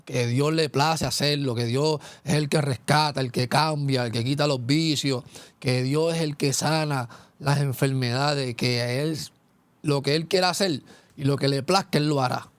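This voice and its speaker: A man's voice: mid-range voice, moderate pace, dry recording. A man with a Puerto Rican accent hosting a Christian testimony interview, earnest and speaking in guided questions with frequent tag asides. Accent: Puerto Rican Spanish. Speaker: host.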